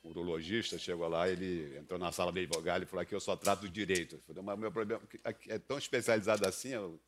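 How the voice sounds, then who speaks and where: Very deep-voiced man. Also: steady tone, rapid-fire. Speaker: voice specialist guest. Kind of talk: comedic interview answers.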